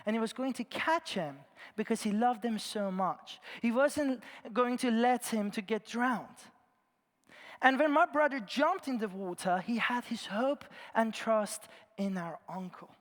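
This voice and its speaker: A man from Iran, preaching a sermon in an earnest storytelling way, his phrases often trailing off softly at the ends. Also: very high-pitched, a little slow. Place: large church. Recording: long church reverb.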